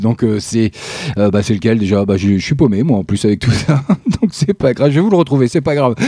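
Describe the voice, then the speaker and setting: Over noticeable background noise, a man talks at a fairly quick pace with an energetic tone and lively intonation. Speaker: radio host. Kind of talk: live web-radio DJ patter, upbeat show intros and song back-announcements. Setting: live radio broadcast, studio. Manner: chatty, energetic, improvised, stumbling over words and admitting his slips; fast, jokey, hype-style teasing of the playlist and giveaways.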